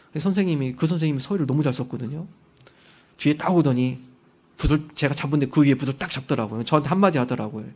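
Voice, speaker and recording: A male pastor preaches a Sunday sermon in a high, bright voice. He tells stories and acts out the quoted words of the people in them, pushing certain lines out loudly for emphasis. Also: quick pace. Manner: storytelling with acted quotes; rising to loud emphasis on key lines.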